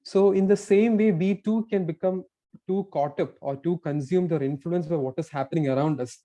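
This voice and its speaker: A man preaching a sermon at a pulpit microphone in a church, explaining earnestly with frequent pauses and restarts. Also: fairly high pitch, dark tone.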